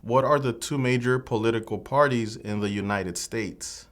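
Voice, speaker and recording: A man playing an immigration officer in a scripted mock interview, asking formal, measured questions. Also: medium pitch.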